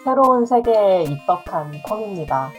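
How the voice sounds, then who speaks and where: A woman in her thirties with a husky voice, chatting casually as a co-host. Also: medium pitch, expressive, normal speed. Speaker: podcast co-host. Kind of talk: casual chat. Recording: music playing behind the talk. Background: background music.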